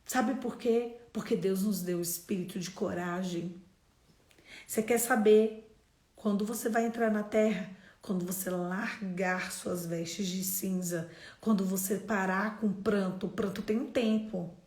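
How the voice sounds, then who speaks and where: A Brazilian woman leading a devotional, preaching with emphatic, exhortative drive and sudden loud bursts. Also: medium pitch, fairly even intonation, unhurried. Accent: Brazilian Portuguese. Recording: echoey room.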